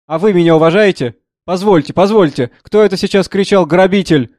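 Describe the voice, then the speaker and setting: A man's voice: high-pitched, a little fast, a little mellow, dry recording, clean studio sound, close to an everyday voice. A man voicing a rude, domineering middle-aged financier who talks down to everyone with scornful contempt. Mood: contemptuous. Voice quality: sneering, scornful.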